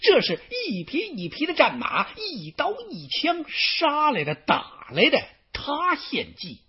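A man doing a gruff, hot-tempered general. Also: extremely high pitch, huge pitch swings, measured pace, pitched above the performer's own voice, exaggerated voice. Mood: indignant. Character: hot-tempered burly male general, blunt, proud. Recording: dull lo-fi recording.

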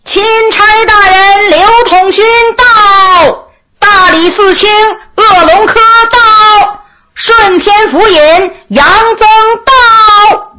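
A male court herald calling out the officials' arrival, pitched high and stretched slowly in a ceremonial cry, as a woman storyteller puts him on. The voice sounds set apart from the narration. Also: sharp tone, a little hiss or hum, full character voice. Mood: announcing.

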